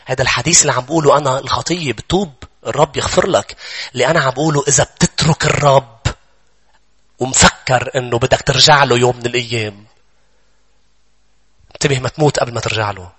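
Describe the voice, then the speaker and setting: A man's voice: medium pitch, fast, pauses often, fairly bright tone, slightly rough. A man preaching a sermon with a Lebanese accent, emphatic and urgent as he addresses his congregation. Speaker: pastor.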